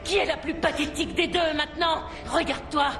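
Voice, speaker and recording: High-pitched, vicious unhinged woman. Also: flat delivery, fairly quick. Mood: gloating, menacing. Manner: taunting, theatrical. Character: vicious, unhinged female teacher, jealous and obsessive. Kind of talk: dubbed TV thriller acting. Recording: music under the voice.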